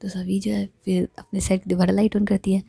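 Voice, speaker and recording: A woman narrates a love story in a soft, half-whispered way. Her voice is very dark and mellow, with a breathy, husky edge. The recording is completely dry and close. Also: mid-range voice, little pitch movement, brisk, dry recording.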